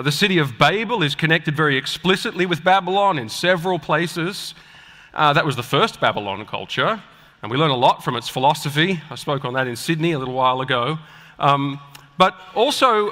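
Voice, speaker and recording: Bright-voiced male preacher in an echoing hall. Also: on the high side. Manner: emphatic, deliberate rhetorical delivery with pauses. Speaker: preacher and guest speaker at a church conference. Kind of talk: sermon to a live audience. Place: large indoor auditorium, speaking on stage. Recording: echoey large hall with long reverb.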